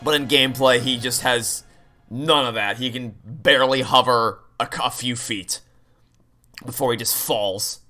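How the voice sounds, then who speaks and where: A man's voice: mid-range voice, fairly even intonation, a little slow, sharp tone. A young man giving casual, opinionated, rambling commentary as he plays through a video game. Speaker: video game playthrough streamer. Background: game music.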